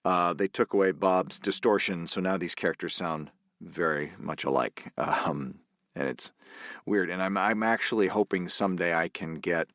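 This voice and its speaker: Very deep-voiced easygoing male guest. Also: fairly bright tone, dry recording, studio quality. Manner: rambling, easygoing, halting. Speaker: voice actor guest. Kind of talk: casual podcast interview.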